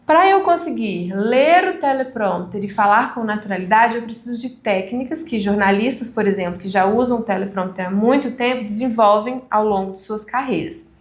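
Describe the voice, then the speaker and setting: A woman instructor giving a live online class on speaking, conversational with deliberate pauses. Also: a little high, echoey room. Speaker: communication instructor.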